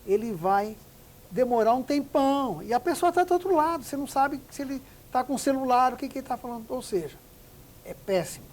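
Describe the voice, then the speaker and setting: Emphatic woman, mellow voice. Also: sits high, expressive, brisk, slight background noise, low-quality recording. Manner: emphatic, acts out phone examples. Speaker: etiquette expert guest. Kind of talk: interview on business etiquette.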